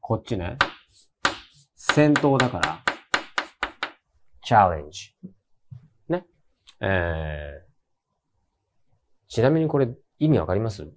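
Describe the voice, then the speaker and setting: A man giving a relaxed online English lesson, his pitch rising and falling a lot as he talks. He keeps asking the viewer questions and says the example words out loud so they can be copied. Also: slow pace, long pauses, noisy background. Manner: chatty, asks the viewer questions, models English words aloud. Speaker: English teacher for university entrance exams. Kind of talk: casual online lecture.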